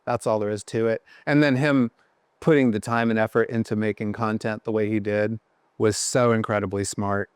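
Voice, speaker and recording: A man's voice: on the low side, fairly even intonation, moderate pace, clean tone, no room sound. A man guesting on a podcast, telling rambling, self-deprecating stories about his career with lots of fillers. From Ohio. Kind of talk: casual podcast chat.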